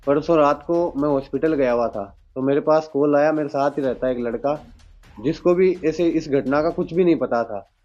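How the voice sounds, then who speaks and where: Young man, mellow voice, lo-fi. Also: fairly high pitch, soft background music. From Rajasthan, India. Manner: plain, halting retelling with quoted dialogue. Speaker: taxi driver and witness. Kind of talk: news interview account. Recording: dull lo-fi sound.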